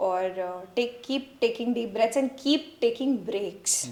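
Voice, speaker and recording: Here is a woman with an ordinary speaking voice, pitched fairly high. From Udaipur, Rajasthan, India. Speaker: radio jockey. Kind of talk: podcast interview answer, casual conversational talk. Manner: upbeat, expressive, mixing Hindi and English.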